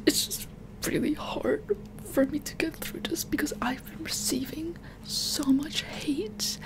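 A woman's voice: sits high, unhurried, pitched above the performer's own voice, poor audio. A woman playing a tearful, self-pitying beauty influencer, whining and pleading in a whispered comic ASMR roleplay. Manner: whiny, sobbing, melodramatic.

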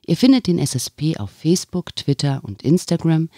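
A male announcer reads a scripted podcast outro. His voice is husky and mellow, with lively swings in pitch. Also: brisk, no room sound, studio quality.

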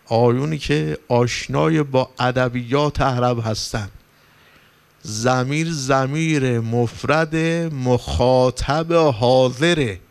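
A man's voice: medium pitch, creaky, smooth. A male cleric preaching a sermon in Persian, telling stories with passion and rising to emphatic, pleading points. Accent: Persian, from Iran. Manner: impassioned storytelling, rising for emphasis. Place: religious gathering hall.

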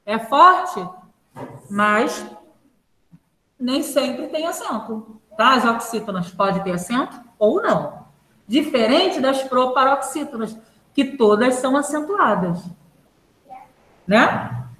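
A woman's voice: high voice, animated, slow pace, pauses often, fairly bright tone, roomy sound, rough recording. A woman teaching a primary school grammar class, patiently repeating rules and asking the class questions, with a Brazilian Portuguese accent. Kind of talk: online class lesson.

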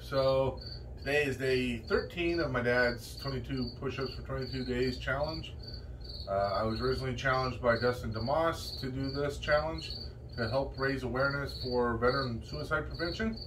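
A man's voice: mid-range voice, moderate pace. A middle-aged man talking casually to a camera a few meters away. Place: small indoor hobby room. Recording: distant mic, clearly noisy room.

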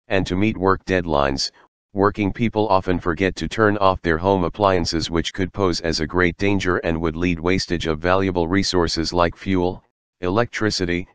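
A man reading a scripted passage aloud in a measured, formal way, as a model answer. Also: sits low, steady tone, clear, resonant tone, no echo. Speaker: reader of model answers for an English speaking test.

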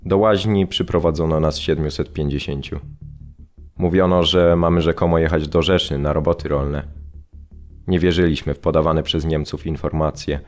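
A man's voice: rumbling low, steady tone, moderate pace, a little mellow, soft background music. A man acting a sober prisoner who recalls events in a dry, understated audio drama reading. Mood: dry recollection. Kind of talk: dramatised documentary memoir reading.

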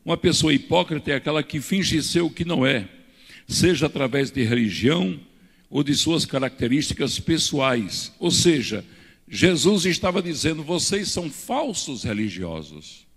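An older male pastor delivers a teaching sermon from a pulpit, pushing his points with emphatic rises. His voice sits a touch high. It rings out with the long reverb of a church hall, picked up on a handheld mic. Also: very animated, moderate pace, creaky, husky. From Brazil. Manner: preaching with emphatic rises and hand gestures. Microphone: handheld microphone.

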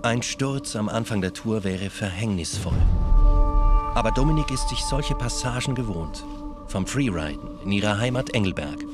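Calm male documentary narrator. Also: on the low side, normal speed, over loud music. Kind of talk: scripted narration. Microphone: studio voice-over.

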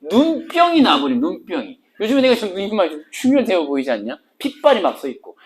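A woman teacher giving an exam-prep literature lecture, animated and teasing, switching between polite and casual speech. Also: mid-range voice, fast talker.

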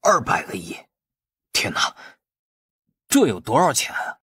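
A man puts on a thuggish but naive young man, a grown son in an audiobook. The voice is rough and animated, swinging widely in pitch, with blunt, wide-eyed questioning. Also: unhurried, no echo, studio quality, heavily acted. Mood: astonished. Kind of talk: audiobook character acting.

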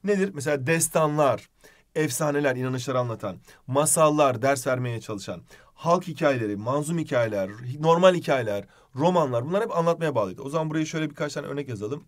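Lively male literature teacher, higher voice. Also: brisk. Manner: explanatory, addresses students as friends, writes on board while talking. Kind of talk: online lesson recap.

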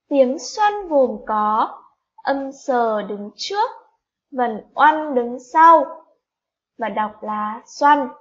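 Slow, high-voiced woman teacher spelling for children. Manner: drawn-out syllable-by-syllable spelling, coaxing questions to children. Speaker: primary school teacher. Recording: slightly dull lo-fi recording.

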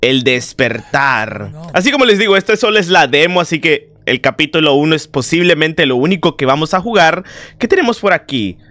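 Man, slightly high voice, sore throat, joking game commentary, chats with viewers. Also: lively intonation, a little fast, sharp tone, no echo. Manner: joking, chatty, addresses viewers. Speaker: gaming video host. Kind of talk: playthrough commentary.

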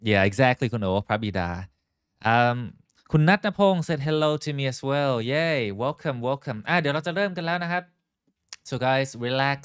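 A man hosting a live online English lesson, speaking slowly and clearly with many fillers. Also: medium pitch, fairly bright tone. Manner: switches between Thai and English, slow and clear with many fillers.

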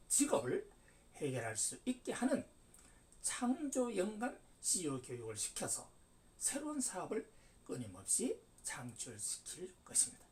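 A man in his seventies gives an emphatic religious lecture in a fairly high, slightly mellow voice, declaiming with sudden rises and falls. The microphone is distant.

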